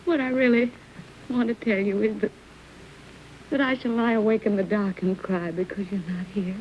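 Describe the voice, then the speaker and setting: An actress playing a lovesick young woman reading out a letter to her lover in a soft, tender, wistful voice, in 1930s film style. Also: mid-range voice, fairly even intonation, moderate pace, a little hiss or hum, natural voice. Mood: tender longing. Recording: muffled old film soundtrack with faint music.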